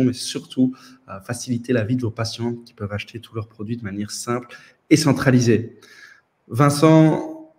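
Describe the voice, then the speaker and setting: A man's voice: mid-range voice, a little mellow. A man hosting a webinar on a video call, introducing the guest with frequent fillers. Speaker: webinar host.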